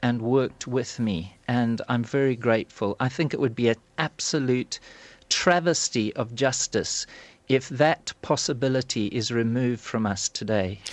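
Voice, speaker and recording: Here is a normal speaking voice from a man at medium pitch. He keeps a moderate pace with ordinary pitch variation. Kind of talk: interview.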